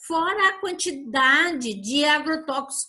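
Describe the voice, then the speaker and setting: The tone of the voice is bright and sharp, raised and projected. Its pitch shifts in an ordinary way. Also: woman. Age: 60s. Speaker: network marketing trainer. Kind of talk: product training talk.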